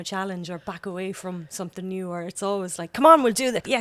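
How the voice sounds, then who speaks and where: A woman with a Northern Irish accent speaks at a very fast pace with ordinary pitch variation. The recording is very clean over a silent background. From Northern Ireland. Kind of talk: conversational, chatty.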